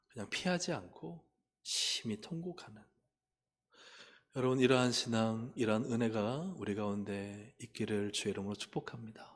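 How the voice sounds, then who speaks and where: A male pastor preaching a sermon, telling a personal story, asking rhetorical questions and getting loud and animated as he retells it. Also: medium pitch, slightly rough. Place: church sanctuary. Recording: long church hall reverb.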